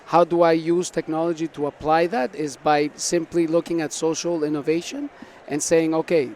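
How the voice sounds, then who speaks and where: Higher-voiced man explaining, over background noise. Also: darkish tone. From South America (Argentina and Venezuela), born in Canada. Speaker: startup founder being interviewed. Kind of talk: conversational interview answers. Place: busy tech conference floor. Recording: noisy busy event with background ambience.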